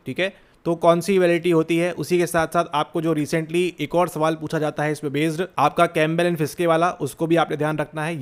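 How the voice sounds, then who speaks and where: A man's voice: on the high side, smooth. A man giving a motivational exam-prep lecture as a coaching teacher, urgent and exhorting, checking in again and again with his students. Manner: urgent, exhorting, repeats "theek hai?" often.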